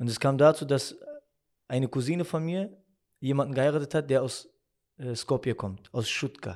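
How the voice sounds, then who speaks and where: Recorded very cleanly with a silent background, a man speaks at a fairly quick pace and medium pitch with ordinary pitch variation. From Berlin, Germany (Roma family from North Macedonia). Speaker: imam. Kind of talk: interview.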